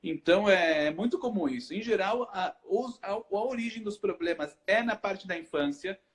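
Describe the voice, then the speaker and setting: A Brazilian man with a notably high voice hosts a live chat as a hypnotherapist. He explains in a lively way, firing off rhetorical questions and answering them himself. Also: moderate pace. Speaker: hypnotherapist host.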